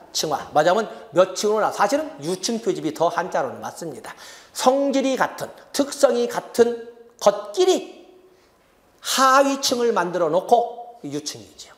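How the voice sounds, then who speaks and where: A middle-aged male lecturer with a high, lively voice that leaps up and down. He teaches an exam-prep class and repeats key terms as he writes them out on the board.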